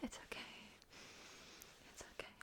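A young woman performing a whispered audio roleplay, voicing an anxious, apologetic young woman who soothes a crying partner in hushed, repetitive murmurs. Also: moderate pace, natural voice. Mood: hushed, soothing.

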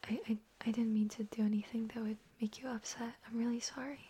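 A young woman performing a whispered audio roleplay, voicing an anxious, apologetic young woman who soothes a crying partner in hushed, repetitive murmurs. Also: fairly high pitch, little pitch movement, quick pace, a little hiss or hum, close to an everyday voice. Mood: hushed, soothing.

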